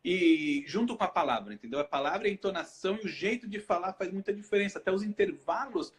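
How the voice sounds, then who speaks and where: Animated high-voiced Brazilian man explaining. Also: quick pace. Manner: animated, rhetorical questions he answers himself. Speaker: hypnotherapist host. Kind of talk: casual live chat, explaining.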